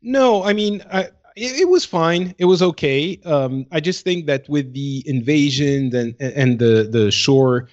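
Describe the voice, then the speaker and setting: A man chatting casually as co-host of a gaming podcast, thinking aloud in a hesitant, measured way and repeating words mid-thought. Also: on the high side. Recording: slightly dull, lo-fi voice feed.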